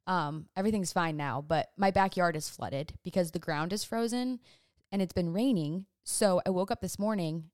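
A woman's voice: lowish voice, normal speed, a little mellow, no echo, clean studio sound. Chatty young woman rambling storytime. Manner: chatty, rambling, sidetracks often. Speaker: vlogger. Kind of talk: casual storytime chat. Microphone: phone or camera on a stand.

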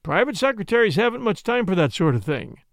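A man's voice: high voice, very animated, a little fast, no room sound, studio quality, pitched above the performer's own voice. A man voicing a brusque, matter-of-fact colonel and chief constable with clipped delivery, in a storybook reading.

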